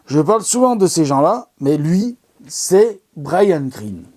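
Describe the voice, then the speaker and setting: A man with a mellow, warm voice that sits a little high, talking casually to his viewers. He rambles with enthusiasm, stumbling over fillers and restarting his sentences as he recommends documentaries. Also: very animated, takes it slowly. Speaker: amateur astronomy video host. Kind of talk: casual product recommendation talk.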